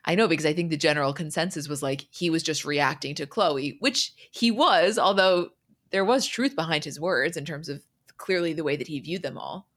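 Woman podcast host, kinda low voice, just chatting thru a recap like she's telling a friend what got said. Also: normal speed. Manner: conversational, retells quoted dialogue scene by scene. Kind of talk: casual recap chat.

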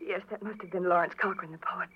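A woman's voice: on the low side, fairly even intonation, fast, lightly acted. An actress playing a frightened, distraught young woman in a 1940s-style radio drama, speaking with breathless, hesitant emotion. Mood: shaken, subdued. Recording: dull, faintly noisy old radio recording.

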